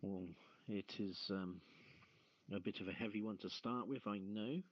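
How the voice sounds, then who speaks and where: A man hosting an online radio talk show, reading news stories and talking a little haltingly between them over muffled audio. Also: fairly low pitch, fairly even intonation, no room sound.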